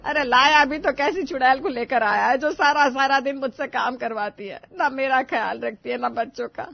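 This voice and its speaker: A woman voicing a dramatic, complaining elderly mother-in-law in an animated story, wailing and melodramatic. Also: sits high, normal speed, gravelly, dry recording, highs cut off.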